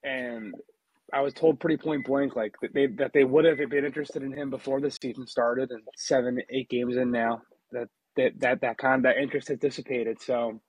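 Man, podcast host, husky voice, chatty with restarts, dry close sound. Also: mid-range voice, a little mellow, no room sound, poor audio. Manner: chatty, many restarts, eating a sandwich while talking. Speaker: podcast host and NBA reporter. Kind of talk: casual sports podcast talk.

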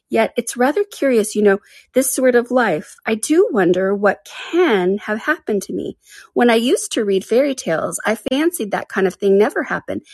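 A woman's voice: a little high, slightly rough, no echo, studio quality, voice pushed up. A woman voicing a young storybook girl who muses and reasons with herself in an earnest, chatty way. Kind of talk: storybook character voice.

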